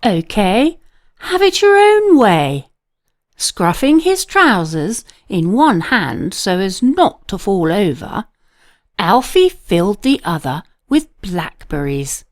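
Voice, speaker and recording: Slow, animated woman reading a storybook. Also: mid-range voice, no room sound, clean studio sound. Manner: slow, dramatic storytelling with emphatic pauses. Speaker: children's story narrator. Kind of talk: expressive read-aloud storybook narration.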